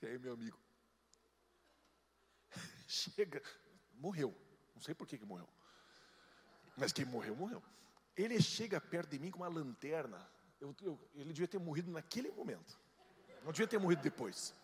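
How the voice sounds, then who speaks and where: A male pastor delivers a sermon with an animated storytelling style, his voice swinging widely and often leaping high to quote people. His pitch sits a bit high for a man. The sound carries a long reverb, as if in a large church hall. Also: normal speed, long pauses.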